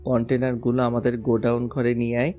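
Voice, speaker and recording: A curt, commanding gang leader, voiced by a man in a story audio drama. His voice is dark and mellow. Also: medium pitch, monotone, a little fast, faint music behind, natural voice.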